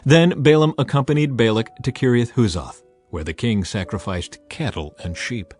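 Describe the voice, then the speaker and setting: A man's voice: mid-range voice, moderate pace, a little mellow. A man giving a solemn, scripted dramatic narration of scripture as a storyteller. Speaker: narrator of a dramatized audio Bible. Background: background music.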